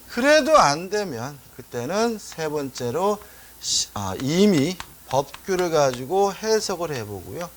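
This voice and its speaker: A man's voice: sits high, fairly bright tone, a little hiss or hum. A middle-aged man from Seoul giving an exam-prep law lecture, chatty and asking rhetorical questions as he tells anecdotes. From Seoul, South Korea.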